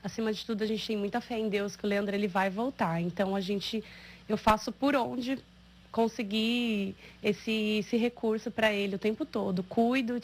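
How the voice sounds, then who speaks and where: Soft-spoken woman caregiver. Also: medium pitch. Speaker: patient's wife, caregiver.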